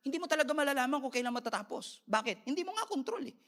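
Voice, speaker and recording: A man with a Filipino accent preaching an animated sermon as pastor, mixing in English and calling for amens. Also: very high voice, rapid-fire.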